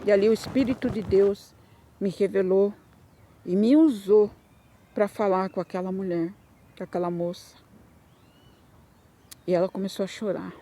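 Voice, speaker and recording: A woman's voice: mid-range voice, fairly even intonation, moderate pace, pauses often, dark tone. A woman with a Brazilian Portuguese accent giving a Christian testimony, telling her story in an emotional, repetitive way that rises into fervent bursts.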